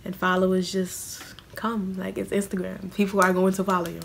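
A little hiss or hum sits under this young American woman's mid-range, monotone voice with vocal fry. At a moderate pace she answers viewer questions to camera from a small room, blunt and slangy, with many "like" fillers.

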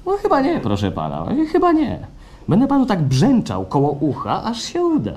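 Smug nagging official in a radio play, coaxing and patronizing, voice jumps all over. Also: male voice, high-pitched, wildly swooping pitch, normal speed, a little mellow, exaggerated voice. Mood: gleefully persistent. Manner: insistent, patronizing, repetitive, cajoling. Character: pushy, persistent male bureaucrat of happiness, smugly coaxing his captive. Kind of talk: live radio play acting.

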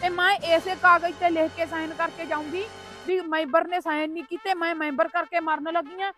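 Woman acting defiant lady making threats, super high fast voice. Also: steady tone, fairly bright tone, faint music behind. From Punjab. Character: defiant woman demanding her house, threatening.

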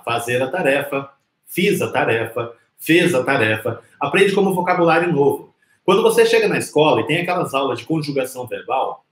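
A Brazilian man in his forties giving an informal, conversational English lesson on a live stream, explaining didactically with rhetorical questions and example phrases. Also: fairly high pitch. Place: small indoor room with whiteboard. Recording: roomy, echoing indoor sound.

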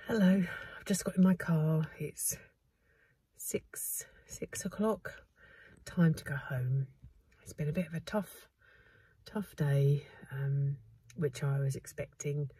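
A woman in her forties with a bunged-up nose, chatting casually and warmly into her phone camera at home and in her car. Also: deep voice, takes it slowly, breathy edge. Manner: chatty, chirpy and warm. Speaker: vlogger. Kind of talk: casual daily vlog chat. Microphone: phone camera at arm's length.

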